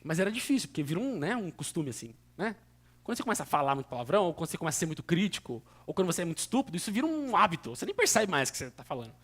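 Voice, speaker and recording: A young man preaching in a church in Brazilian Portuguese with a São Paulo accent, conversational and earnest, moving between soft asides and sudden emphatic bursts. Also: a little high, big pitch swings, rapid-fire, slightly rough. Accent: São Paulo state Brazilian Portuguese. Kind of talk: sermon.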